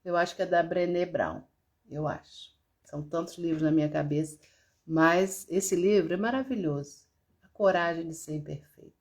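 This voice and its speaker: A woman's voice: on the low side, normal speed. A woman from Brazil, a therapist with a Brazilian accent, talking casually to viewers on a live stream and laughing now and then. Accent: Brazilian Portuguese. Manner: chatty and warm, laughs often, reads out viewer comments.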